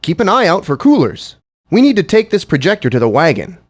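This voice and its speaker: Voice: medium pitch, very animated, a little fast. An actor voicing an earnest cartoon adventurer, eagerly giving hints to friends in a video game. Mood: urgent, eager. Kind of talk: video game hint lines.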